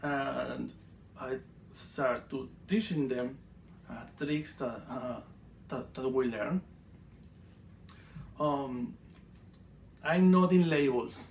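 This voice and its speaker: Venezuelan guy, spanish accent, super gravelly voice, stumbles thru english w lots of uhs, kinda dry jokes. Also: medium pitch, darkish tone, a little hiss or hum. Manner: halting, many fillers and restarts, dry humor; broken English grammar. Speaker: spiritual teacher. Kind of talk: casual teaching monologue.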